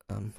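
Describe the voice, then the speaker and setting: A man playing a weary, guarded but tender demon hunter in an intimate audio drama, speaking softly and haltingly. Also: no room sound. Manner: hesitant, halting, sighing, soft-spoken.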